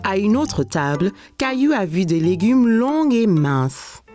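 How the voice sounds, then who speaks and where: A woman playing a gentle storyteller who narrates a children's cartoon in scripted storybook style. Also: mid-range voice, very animated, takes it slowly, soft background music. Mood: storytelling. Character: gentle storyteller narrating a small boy's day.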